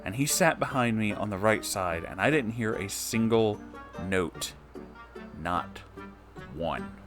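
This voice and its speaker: A man's voice: lowish voice, lively intonation, slow, fairly bright tone, soft background music. A man hosting an online story reading, speaking expressively and informally with casual swearing. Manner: profane, informal. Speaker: online story reader and host.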